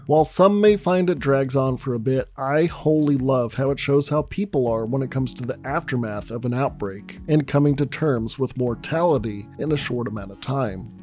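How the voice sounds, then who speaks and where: A man with a hoarse, raspy voice from being sick, earnestly narrating a scripted film review as a channel host. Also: mid-range voice, a little mellow.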